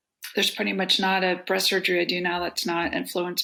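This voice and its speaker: A woman's medium-pitched voice in an American accent, bright and sharp in tone with vocal fry, on a very clean recording with a silent background. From US South. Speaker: plastic surgeon. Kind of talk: interview conversation.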